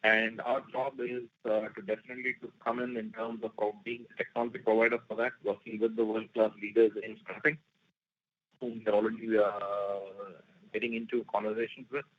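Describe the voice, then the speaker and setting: A man moderating an earnings call as a company executive, reading questions and answering them in a measured, formal way. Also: fairly low pitch, flat delivery. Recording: tinny phone-like conference line.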